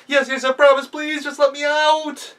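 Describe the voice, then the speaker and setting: A storybook goblin, acted out by a man, high and strained above natural speech. The voice is bright and forceful, a creature that swings between menace and frantic begging, heard a little away from the microphone. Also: level tone, normal speed, distant mic. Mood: desperate pleading. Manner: exclaiming and stammering in repeats. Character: menacing male goblin, turns frantic and pleading.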